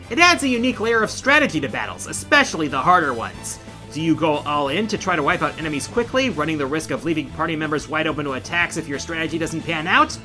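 A man's voice: high-pitched, bright, forceful tone. A middle-aged man hosting a countdown in scripted video essay narration, with an emphatic, theatrical delivery. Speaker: video game countdown host.

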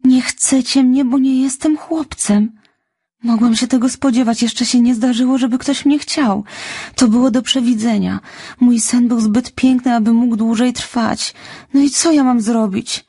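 A woman voicing a high, tearful orphan girl. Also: steady tone, moderate pace, a little mellow, slightly rough, no echo, studio quality. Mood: despairing. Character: young orphan girl, frightened and heartbroken.

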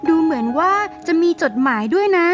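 A woman voicing a kind, humble, poor mother, gentle and polite, in a cartoon story. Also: very high-pitched, lively intonation, fairly quick, faint music behind. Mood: surprised.

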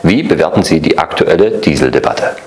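Very deep male announcer with echo. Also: expressive, a little fast, a loud crowd. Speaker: announcer reading questions. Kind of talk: scripted voice-over questions. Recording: roomy, echoing voice-over.

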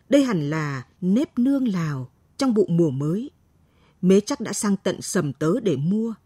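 A woman reading a late-night story aloud in a slow, gentle and expressive way, close to a studio mic. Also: mid-range voice, slightly rough, no room sound.

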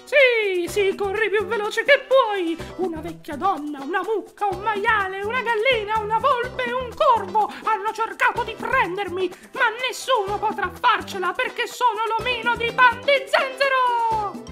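Squeaky, cheeky little gingerbread man. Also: a little slow, few pauses, over loud music. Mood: gleeful, boastful. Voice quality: childlike, squeaky. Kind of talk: children's cartoon voice acting.

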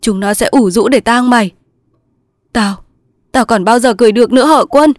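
A woman voicing a young male resistance soldier, pleading in loud sobbing outbursts in a storybook reading. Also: fairly high pitch, brisk, no echo, clean studio sound, pitched above the performer's own voice, natural voice. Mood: grieving.

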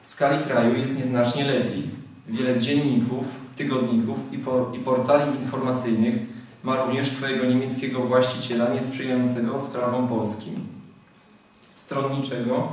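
A young man at a lectern in a large hall, reading a prepared speech in a formal, measured way. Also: mid-range voice. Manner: formal, measured delivery from a script. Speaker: speaker at a convention. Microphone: lectern microphone. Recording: very echoey hall, mic at a distance.

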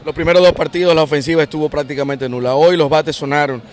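A man with a Dominican accent, a sports reporter putting brisk questions to a manager after a game. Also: a little high, fairly even intonation. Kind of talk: post-game interview questions. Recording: outdoor recording with some noise.

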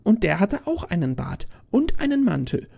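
A man's voice: high-pitched, very animated, normal speed, vocal fry, mellow, pitched above the performer's own voice, heavily acted. A man voicing a defiant, sceptical little girl with a blunt, cheeky manner in a horror story. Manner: blunt, pert.

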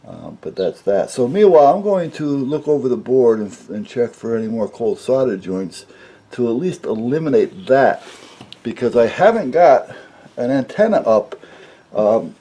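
A man's voice: medium pitch, warm tone. A middle-aged man giving a casual, unscripted repair walkthrough at a workbench, rambling and explaining things matter-of-factly. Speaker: hobbyist radio repairer, presenter. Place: indoors at a workbench.

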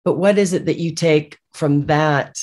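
A woman's voice: low voice, unhurried, darkish tone. A woman in her forties hosting an interview, asking chatty, upbeat questions with quoted asides. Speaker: podcast host. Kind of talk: interviewing a guest. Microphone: studio microphone on video call.

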